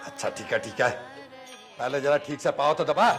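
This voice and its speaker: A man's voice: mid-range voice, normal speed, gravelly, faint music behind, lightly acted. A man playing a haughty, exploitative village landlord in a rural drama, with bossy, coarse rustic speech. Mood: grumbling, domineering. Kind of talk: Hindi rural period drama acting.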